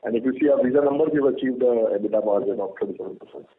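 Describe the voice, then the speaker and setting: A man's voice: medium pitch, rapid-fire. A man with an Indian accent answering questions as a company executive on an earnings call, firm and given to repeated filler phrases. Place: conference call by phone. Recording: tinny phone line with noise.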